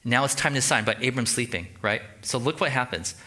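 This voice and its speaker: A man pastor giving a conversational, animated sermon and acting out quoted voices in a church. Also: mid-range voice, fairly quick. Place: church sanctuary.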